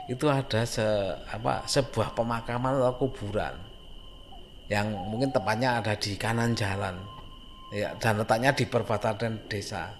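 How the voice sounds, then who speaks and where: In a fairly low voice over slight background noise, a man from a Javanese-speaking village in Indonesia tells a ghost story with an East Javanese accent. His informal narration is conversational and suspenseful, and he repeats phrases for emphasis.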